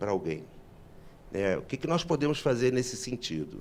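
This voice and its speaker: A man speaks at a medium pitch. His voice swings very widely up and down. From Brazil, Rio de Janeiro. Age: 60s. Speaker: audience member, activist. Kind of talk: question from the floor at a symposium.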